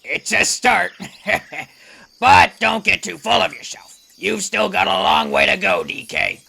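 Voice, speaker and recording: An actor playing a crotchety old male ape in an audio drama, a stern mentor who lectures and dismisses, with a gravelly voice. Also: high voice, wildly swooping pitch, unhurried, pushed and bright, full character voice. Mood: grudging, teasing. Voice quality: creaky, gravelly.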